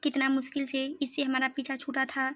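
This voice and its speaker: A woman's voice: sits high, completely flat delivery, a little fast, fairly bright tone, dry recording. A joking young man friend, read by a woman. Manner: joking, caring.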